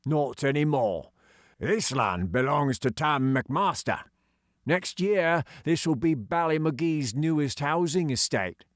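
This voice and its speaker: A man's voice: on the high side, expressive, slow pace, no echo, studio quality, pitched above the performer's own voice. A man voicing a sneering, threatening adult male digger driver in an audiobook story. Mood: menacing.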